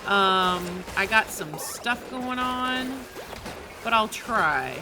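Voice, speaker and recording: A woman's voice: medium pitch, animated, extremely slow, over music, rough recording. A woman livestreamer chatting casually with her viewers while she plays a game.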